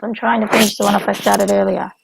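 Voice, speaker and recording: A woman with a young child, hoarse from illness, casually narrating her scrapbook process with lots of ums and self-corrections. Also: medium pitch, little pitch movement, fast talker, low-quality recording. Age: adult with a young child. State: hoarse, voice coming and going from illness. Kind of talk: casual voice-over narration of a craft video.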